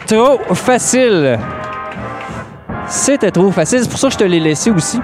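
A high-voiced man with a Québécois accent runs a live auction as emcee, joking his way through each lot. He stretches the bid calls out and swings his pitch all over the place, with faint music playing behind him. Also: animated, very fast. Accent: Québécois French. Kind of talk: live comedic auction calling.

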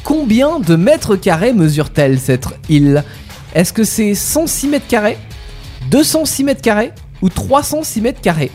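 A man's voice: high voice, very animated, measured pace, darkish tone, faint music behind. A man hosting a casual radio quiz, playful, repeating his questions and laughing at himself.

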